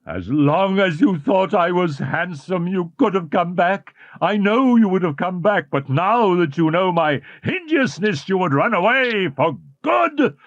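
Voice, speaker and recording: A man voicing a deformed, jealous masked man who hisses and roars in slow, tormented speech. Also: high voice, lively intonation, no room sound, lo-fi sound. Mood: raging, anguished. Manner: slow, hissing, roaring.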